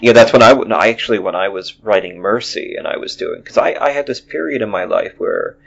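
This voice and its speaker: A man's voice: lowish voice, quick pace, gravelly, breathy edge. A man in his forties hosting a podcast, talking in a rambling way with many restarts. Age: 40s. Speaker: podcast host. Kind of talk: casual chat. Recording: dull lo-fi audio.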